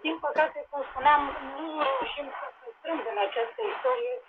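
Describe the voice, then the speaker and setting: A woman speaks publicly in a high voice with lively intonation. The shortwave sound is thin and swamped by static. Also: narrow, tinny audio. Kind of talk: spoken public remarks. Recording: thin, very noisy shortwave radio reception.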